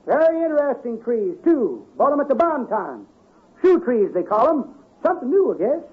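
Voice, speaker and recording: A man's voice: sing-song, moderate pace, husky, full character voice. An actor playing a folksy, rambling old man who spins tall tales and calls everyone kids, in a vintage radio comedy. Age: older. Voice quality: high cracked old-timer voice, drawling. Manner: chuckling yarn-spinner, calls everyone kids. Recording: muffled vintage radio recording.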